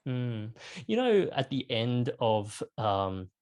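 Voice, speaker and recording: A man with an Australian accent interviewing a guest, friendly and engaged, asking lively follow-up questions. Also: mid-range voice, slow, clean tone. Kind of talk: conversational interview.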